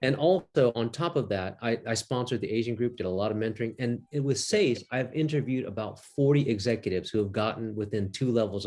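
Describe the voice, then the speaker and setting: A man with an American accent and a plain, everyday voice, medium in pitch with ordinary pitch variation. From United States. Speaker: retired corporate executive, panelist. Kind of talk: panel discussion.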